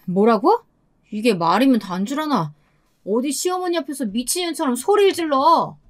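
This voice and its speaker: A woman's voice: sits high, animated, drawn-out words, no echo, clean studio sound, pitched above the performer's own voice, heavily acted. Woman reading a hot-tempered husband. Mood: angry.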